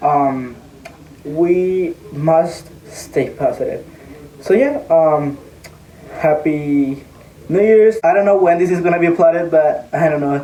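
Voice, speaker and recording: Fairly slow male speech with a non-native accent and ordinary pitch variation, plus audible room echo and noticeable background noise. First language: not English. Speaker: skater sharing a personal story. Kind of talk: personal testimony video message. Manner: halting, many fillers.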